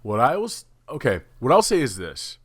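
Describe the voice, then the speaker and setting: A man's voice: mid-range voice, wildly swooping pitch, moderate pace, fairly bright tone, slightly rough, no room sound, clean studio sound. A man co-hosting a podcast who argues back in a casual, profane way and calls his partner "dude". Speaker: podcast co-host.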